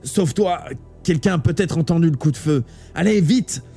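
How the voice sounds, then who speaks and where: A man voicing a wounded, dying teenage boy in a live audiobook reading, speaking low and quietly through pain. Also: fairly even intonation, normal speed, soft background music, close to an everyday voice. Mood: shouting.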